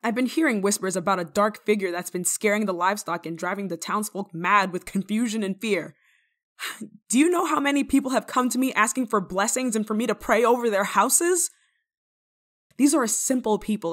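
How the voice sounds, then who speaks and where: A woman playing a stern but kind-hearted village nun in a dramatic roleplay monologue, scolding and teasing with theatrical pauses. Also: medium pitch, fairly bright tone, natural voice.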